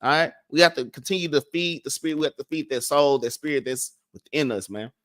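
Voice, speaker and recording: A man's voice: fairly high pitch, brisk, a bit bright, no room sound, clean studio sound. A man with a Southern US accent teaching a casual Bible class, stuttering and restarting often and tagging "man" and "all right?" onto his lines. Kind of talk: casual scripture lesson.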